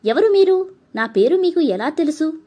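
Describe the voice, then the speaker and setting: Young college girl, lively, teasing, storybook, slightly high, done by a woman. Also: fairly quick. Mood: wary.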